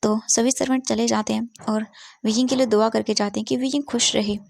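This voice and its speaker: A woman's voice: a little high, fairly even intonation, fairly quick, vocal fry, a little mellow, no room sound. A woman telling a story in a casual, conversational narrating style, mixing in English words.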